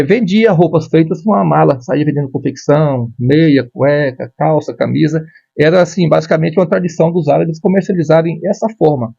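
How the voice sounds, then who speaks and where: A fairly high-pitched voice with vocal fry, warm and slightly rough, comes from a retired Brazilian military police major in his fifties. Interviewed conversationally, he speaks formally and deliberately, often starting over. There's no echo, and the highs are cut off.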